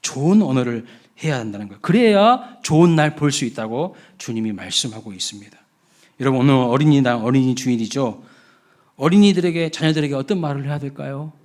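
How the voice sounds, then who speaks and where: A man's voice: mid-range voice, expressive, fairly quick, darkish tone. A man, a pastor, preaching a Children's Sunday sermon in church, telling stories and asking the congregation questions. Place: church sanctuary.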